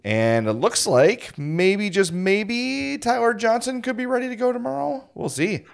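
A man's voice: high-pitched, expressive, measured pace, gravelly, clean tone. A man in his forties hosting a casual sports podcast, jokey and self-deprecating, laughing often. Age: 40s. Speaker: podcast host.

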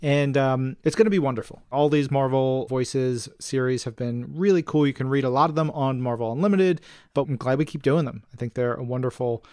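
Man, podcast co-host, smooth clear voice, slightly higher pitch, effusive, casual chat, dry sound. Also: a little fast, darkish tone, dry recording. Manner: enthusiastic, effusive.

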